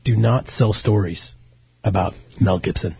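A man's voice: fairly low pitch, measured pace, vocal fry, darkish tone, husky, no echo. A man hosting a talk show, firing crude, teasing and provocative questions at his guest. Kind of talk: crude joking interview.

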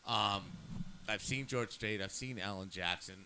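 A man's voice: lowish voice, unhurried, bright, forceful tone, a little hiss or hum. A man hosting a casual interview, affirming his guest often and stammering with repeated words. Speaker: interview host.

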